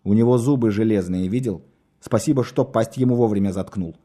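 Blunt grumpy dude, as the reader puts him on, husky dark voice. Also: male voice, fairly low pitch, brisk, close to an everyday voice. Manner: blunt, irritable. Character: brusque man, a friend, irritable and blunt.

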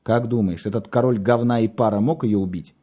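A man's voice: lowish voice, brisk, warm tone, lightly acted. A man voicing a blunt, irritable man in a story.

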